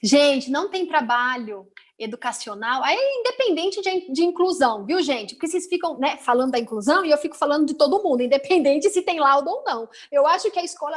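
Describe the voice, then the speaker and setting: A woman with a high voice and a Brazilian Portuguese accent, speaking over a video call. She is a teacher, chatty and expressive, full of rhetorical questions and quick asides. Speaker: teacher, invited guest. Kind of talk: casual web conference talk.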